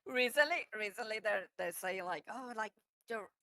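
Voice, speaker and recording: Brief: giggly woman streamer, bright tone, filler-heavy chat. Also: mid-range voice, animated, normal speed, no room sound, studio quality. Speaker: streamer guest. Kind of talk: casual chat.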